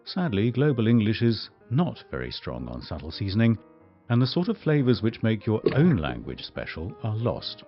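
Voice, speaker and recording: A man delivering a measured scripted speech in a slightly dull, muffled recording. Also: fairly low pitch, huge pitch swings, faint music behind. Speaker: voice-over artist.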